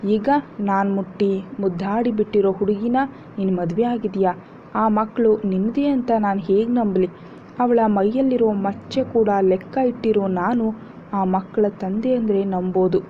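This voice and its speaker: A woman's voice: mid-range voice, fairly even intonation, a little slow, natural voice. A woman voicing a jealous, crude young man who mocks and provokes his rival, on a dull lo-fi recording with faint hiss. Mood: taunting. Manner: mocking, sneering, provocative.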